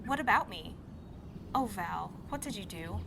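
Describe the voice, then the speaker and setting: Matter-of-fact woman, mid pitch, faint ambience. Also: expressive, unhurried, vocal fry, noisy background. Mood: direct, inviting. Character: matter-of-fact, inviting female mail carrier. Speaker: voice actor in audio drama. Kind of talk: naturalistic audio drama dialogue.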